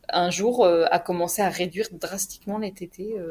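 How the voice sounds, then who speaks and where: The woman's voice sits at a medium pitch. She speaks at a fairly slow pace with fairly even intonation. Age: 20s. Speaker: breastfeeding mother sharing her story. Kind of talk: interview testimony. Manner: hesitant, many filler words.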